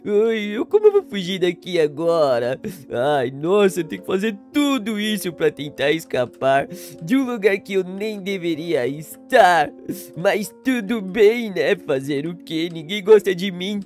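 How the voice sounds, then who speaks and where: Man playing Sadness: gloomy, self-pitying, sighing through gameplay in a high, slow voice. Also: very animated, soft background music. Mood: mopey. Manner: drawn-out sighs, mopey slow delivery. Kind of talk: gameplay commentary in character.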